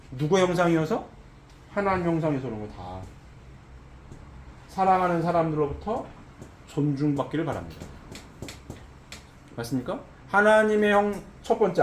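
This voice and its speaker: High-voiced preacher in an echoey room. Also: male voice, a little hiss or hum. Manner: rhetorical questions, frequent "eh?" asides. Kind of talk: sermon.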